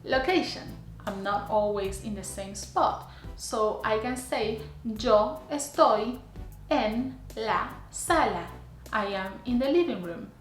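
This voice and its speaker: A slightly high-voiced woman in her thirties gives a lesson to camera, slowing down for each example phrase. She speaks clearly and deliberately. The small room sounds echoey, with faint music underneath. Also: expressive. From Argentina. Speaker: Spanish teacher. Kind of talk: scripted language lesson to camera. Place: small indoor room before a plain grey wall. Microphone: camera framed head and shoulders.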